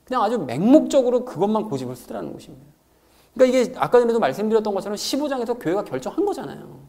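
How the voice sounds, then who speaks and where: A man preaching a sermon as pastor, expressive and explanatory, acting out quoted lines as he goes. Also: sits high, racing.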